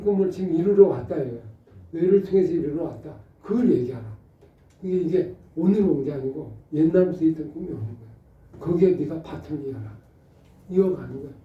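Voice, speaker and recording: A middle-aged male pastor giving an animated Bible study, asking rhetorical questions and acting out short exchanges. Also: on the high side. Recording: muffled roomy audio from a distant mic.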